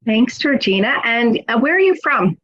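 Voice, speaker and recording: A woman's voice: on the high side, very animated, normal speed, a bit bright, muffled recording. A woman moderating an online student panel in a friendly, encouraging way. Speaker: webinar moderator.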